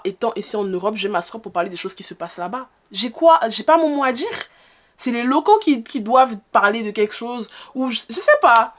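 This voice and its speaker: Frank young woman vlogging. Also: medium pitch. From France. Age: 20s. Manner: frank, exasperated, rhetorical questions. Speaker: YouTuber answering viewer questions. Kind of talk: casual FAQ vlog.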